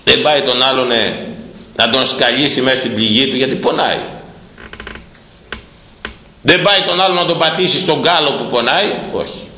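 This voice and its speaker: A man preaching a sermon on Proverbs, impassioned, firing rhetorical questions and rising to shouts. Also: medium pitch, long pauses, reverberant, low-quality recording.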